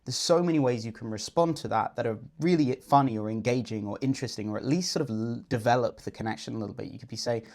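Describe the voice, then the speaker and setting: A man's voice: medium pitch, fast talker, hardly any pauses, darkish tone. A man working as a dating coach, confidently explaining and breaking down a client's approach. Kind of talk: video breakdown commentary.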